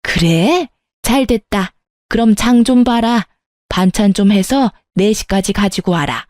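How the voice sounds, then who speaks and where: A woman voicing a bossy, scolding middle-aged mother-in-law who gives curt, slow commands. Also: mid-range voice, lively intonation, a little mellow, no room sound, studio quality, natural voice.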